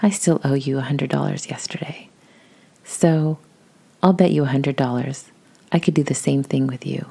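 A woman whispering the lines of a playful mother making a bet, in a low, husky voice. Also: steady tone, moderate pace, dark tone, exaggerated voice. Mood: teasing.

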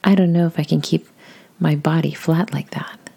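A woman whispering the lines of an excited sister, in a low, raspy voice. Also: moderate pace, heavily acted. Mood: eager. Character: excited young adult sister.

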